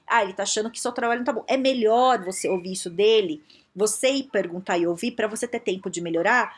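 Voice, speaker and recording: A woman from Brazil giving casual career advice straight to her listeners, acting out bosses and employees in quick quoted lines. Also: breathy edge. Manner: lively, acts out quoted dialogue with pitch jumps. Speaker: career advice podcaster and consultant.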